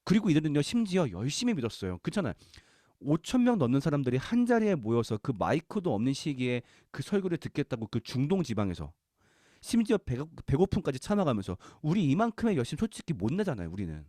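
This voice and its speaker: A Bible study lecturer with a warm, sing-song voice on the high side moves quickly through a conversational lesson. He acts out quotes and asks the listeners questions, in a dry, clean studio recording.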